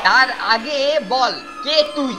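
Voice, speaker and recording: A woman's voice: sits high, slow pace. A woman voicing a bossy, boastful schoolboy in a children's cartoon, with pompous, theatrical phrasing. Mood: questioning. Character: bossy, boastful older schoolboy dabbling in spells. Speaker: cartoon voice actor. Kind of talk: exaggerated children's cartoon acting. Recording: background music under the voice.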